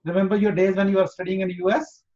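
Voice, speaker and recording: A man from Pakistan hosting an interview, speaking earnestly and emphatically and spelling out his points slowly. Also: high voice, little pitch movement, darkish tone. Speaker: interview host. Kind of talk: motivational interview. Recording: dull lo-fi audio.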